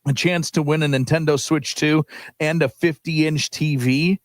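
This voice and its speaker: A man, co-hosting a morning sports radio show and telling stories with excitement and frequent laughter. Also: on the high side, unhurried, no echo. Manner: excited storytelling, laughs often. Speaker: co-host. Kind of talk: casual sports radio chat. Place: radio studio.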